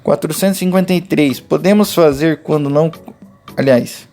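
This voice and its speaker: Gravelly-voiced Brazilian teacher, patient. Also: male voice, on the high side, normal speed, darkish tone, soft background music. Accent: Brazilian Portuguese. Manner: patient, explains step by step, addresses pupils directly. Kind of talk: remote lesson walkthrough for schoolchildren.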